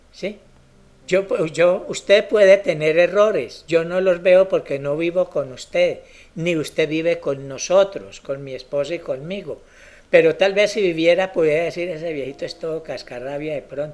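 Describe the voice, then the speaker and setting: A man's high voice holds a moderate pace, its pitch varying in an ordinary way. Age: 70s. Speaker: pastor. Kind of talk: sermon.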